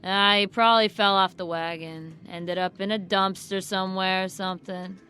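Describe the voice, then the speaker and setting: An actress playing a flippant, irreverent former employee in an audio drama, blunt and offhand, with folksy colloquial speech. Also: female voice, mid-range voice, steady tone, moderate pace, sharp tone, slight background noise, close to an everyday voice. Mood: callous, amused. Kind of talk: audio drama acting as interview guest.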